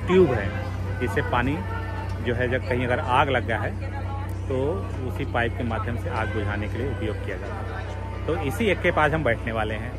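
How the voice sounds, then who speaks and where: A man's voice: medium pitch, moderate pace, over music. A middle-aged man with an Indian accent giving casual, explanatory vlog commentary, mixing in English exclamations. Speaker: vlogger, father showing his outing. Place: outdoor parking lot at a public event. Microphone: phone at arm's length.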